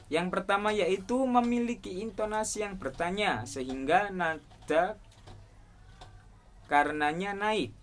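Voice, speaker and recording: Young male student presenter; reads a class assignment aloud in an even, explanatory way. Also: high voice. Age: young adult. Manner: steady, explanatory listing of points.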